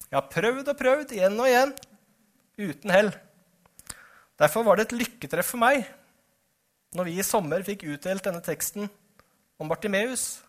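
A middle-aged man preaching a sermon, speaking earnestly and directly to his congregation. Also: high-pitched.

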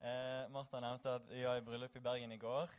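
A young man gives an easygoing sermon in a church hall. He sounds tired after a short night, and he jokes at his own expense and chats with the congregation. His voice sits at an ordinary middle pitch. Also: flat delivery. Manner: self-deprecating, joking, chatty with the congregation. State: tired after little sleep. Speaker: preacher. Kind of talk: informal sermon with scripture reading.

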